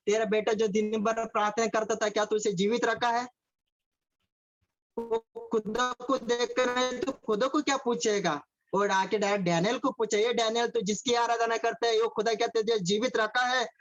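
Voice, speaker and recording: A man preaching a sermon over a video call, repeating phrases, asking his listeners questions and mixing in English words. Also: high voice. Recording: dull lo-fi call audio.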